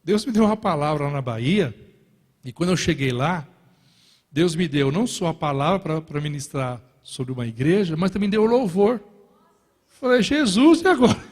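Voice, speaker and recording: A Brazilian man with a Brazilian Portuguese accent preaches from the pulpit, his voice set somewhat high for a man. He tells stories with good humor and keeps turning to the congregation with quick asides. The sound carries the long, lingering reverb of a big church hall. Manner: lively, joking storytelling with repeated "irmãos" asides. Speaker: pastor. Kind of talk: sermon.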